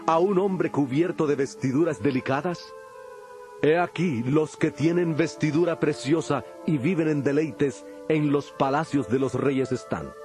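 Solemn male preacher-teacher played by a man, fairly high voice, declamatory and measured, for a Bible audio drama. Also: darkish tone, faint music behind, lightly acted.

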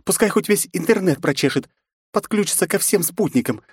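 A man's voice: on the high side, moderate pace, darkish tone, slightly rough, no echo, pitched above the performer's own voice. A man voicing a fierce, defiant young princess in an audiobook, raising his voice to play her. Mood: determined. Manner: mocking, defiant.

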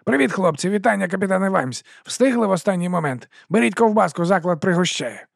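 A man voicing a shifty street vendor who talks in a loud, wheedling sales patter. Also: high voice, expressive, fast, gravelly, no room sound, clean studio sound, voice pushed up, exaggerated voice. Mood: hawking. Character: shifty pushy male street sausage vendor.

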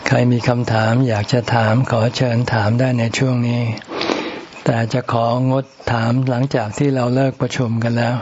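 A male monk giving a calm dharma talk and answering questions, unhurried and full of fillers. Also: mid-range voice. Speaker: monk teacher. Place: meditation retreat hall. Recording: dull sound with faint hiss.

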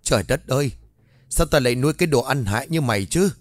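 A man voicing a cruel, sharp-tongued older woman who rules a household, in a spoken ghost story. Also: medium pitch, expressive, quick pace, no room sound, soft background music, lightly acted. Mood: flustered. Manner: harsh, sharp-tongued scolding.

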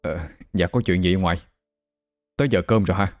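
Drowsy lazy young man, low voice, a man doing him. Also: quick pace, faint music behind, natural voice.

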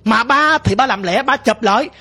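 High husky woman telling ghost stories. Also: moderate pace, sharp tone, faint music behind. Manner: dramatic, conversational retelling. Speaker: storyteller. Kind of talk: ghost story narration.

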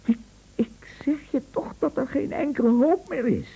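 An actor playing an anguished, agitated husband in a Dutch radio play, halting and overwrought, swinging between weary murmurs and outbursts. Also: male voice, very high-pitched, gravelly, dark tone, slightly rough, full character voice. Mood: hopeless, insistent. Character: anguished, agitated husband with an injured leg, fearing the worst. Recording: dull, noisy old radio recording.

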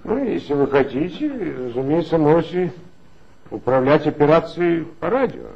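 A diplomatic police superior in a 1960s radio play. He gives orders in a measured way, and his intonation rises and falls a great deal. The old recording sounds dull. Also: fairly high pitch, very animated, creaky.

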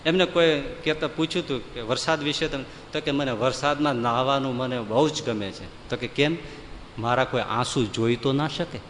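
A man, telling humorous devotional stories to a hall in a lively, folksy way. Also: medium pitch, moderate pace, slight background noise. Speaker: folk storyteller.

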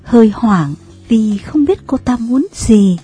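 A woman narrating an audio story in a measured reading voice. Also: fairly high pitch, expressive, dark tone, breathy edge, soft background music.

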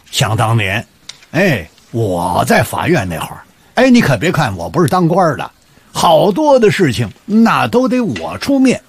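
A man's voice: mid-range voice, creaky, breathy edge, no room sound, exaggerated voice. An actor playing a fussy, boastful old grandfather from Beijing who stammers and rambles, in a radio drama over background music. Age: older.

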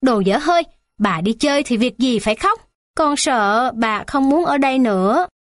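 Woman doing cranky mom, scolding, higher pitch, dry. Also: animated, moderate pace, no room sound. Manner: grumbling, scolding. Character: irritable, complaining mother.

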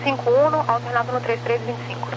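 A woman's voice: a little high, steady tone, quick pace. A Brazilian woman working as an air traffic controller, giving clipped procedural instructions over the radio.

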